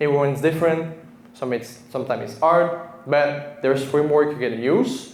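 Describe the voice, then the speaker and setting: A man with a Quebec accent, fairly high pitch and ordinary pitch variation at a fairly quick pace, amid audible room echo. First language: French. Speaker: sales coach. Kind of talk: motivational talk. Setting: stage with audience. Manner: animated.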